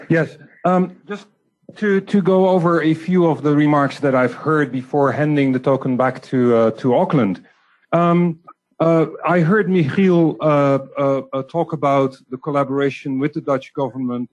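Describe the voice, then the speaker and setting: A man hosting a live online conference, speaking haltingly with stammered repeats as he moderates. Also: mid-range voice. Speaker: conference host handing over between sites.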